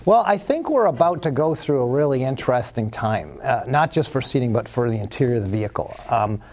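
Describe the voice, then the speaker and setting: Exec guy on a talk show, gravelly voice, lots of um and uh, restarts a bunch. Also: medium pitch, expressive, fairly quick, a little mellow. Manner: hesitant, many fillers and restarts. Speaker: company executive guest. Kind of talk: casual interview answers.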